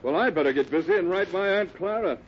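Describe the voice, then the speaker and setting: A man's voice: high voice, quick pace, lightly acted. A man playing a good-natured, folksy cowboy straight man in a 1950s radio Western. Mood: bemused, good-natured. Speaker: cast announcer and straight man. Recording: muffled noisy 1950s radio broadcast.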